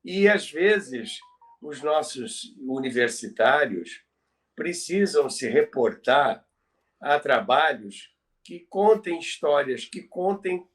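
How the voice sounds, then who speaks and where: A man's voice: fairly high pitch, animated, slow. An older Brazilian man co-hosting a conversational talk on history, explaining in an emphatic, didactic way and repeating phrases. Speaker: co-host, former radio professional. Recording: distant from the microphone.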